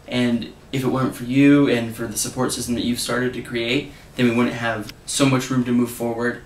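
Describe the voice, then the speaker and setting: A man's voice: medium pitch, level tone, moderate pace, echoey room, a little hiss or hum, rough recording. A man in his twenties speaking sincerely in a short video interview. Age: 20s.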